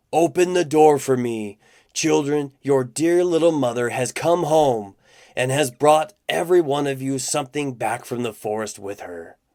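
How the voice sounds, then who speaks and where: A man talks at a moderate pace and medium pitch in a put-on character voice. The recording is very clean, with a silent background. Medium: read story. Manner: sly, coaxing.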